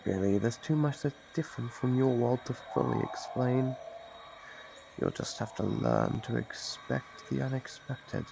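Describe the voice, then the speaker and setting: A man voicing a playful, sadistic monster from under the bed in an ASMR roleplay, gravelly and breathy, savoring his slow, mock-gentle taunts. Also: mid-range voice, noisy background. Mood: gloating, amused. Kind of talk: ASMR roleplay, scripted monologue. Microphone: close microphone.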